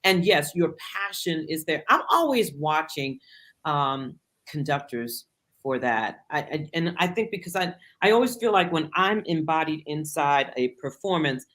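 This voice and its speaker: An American woman hosts a casual interview in a voice on the low side for a woman. She is enthusiastic and asks long, rambling questions full of fillers. She speaks over a video call. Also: animated, a little slow, a bit bright. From United States. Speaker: podcast host.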